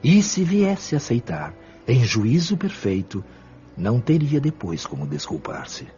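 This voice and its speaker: A man playing a calm, wise spirit mentor in an audio drama, speaking patiently and firmly with measured, formal, didactic diction. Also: mid-range voice, faint music behind. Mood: calm, instructive. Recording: dull lo-fi audio.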